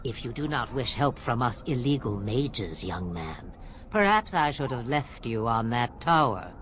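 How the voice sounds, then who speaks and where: An actress playing an old witch mother, sly and imperious, with a low, weathered voice and measured, theatrical delivery in a fantasy game. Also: very animated, slight background noise, full character voice. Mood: sardonic, commanding. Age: older. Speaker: witch of the wilds.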